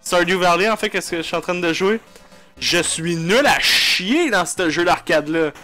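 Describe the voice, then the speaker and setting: A man with a Quebec French accent chats through a video game, excitable and profane, switching freely into English slang. His voice sits high for a man. Faint music plays in the background. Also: normal speed. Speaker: let's play gamer. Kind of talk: casual gameplay commentary.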